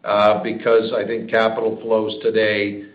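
A man speaking as a senior company executive, answering analyst questions on a conference call in a measured, deliberate way. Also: lowish voice, completely flat delivery, echoey room, highs cut off.

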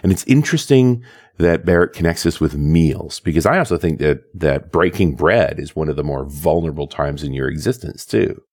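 Deep-voiced, animated podcast co-host. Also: male voice. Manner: thoughtful, measured, reads listener comments. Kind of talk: casual podcast chat.

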